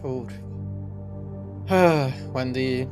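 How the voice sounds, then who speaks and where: A man's voice: medium pitch, extremely slow, a little mellow. A man in a tabletop role-playing game, speaking colloquially and wryly as he improvises and narrates his character. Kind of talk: improvised in-character chat and third-person narration. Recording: music under the voice. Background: background music.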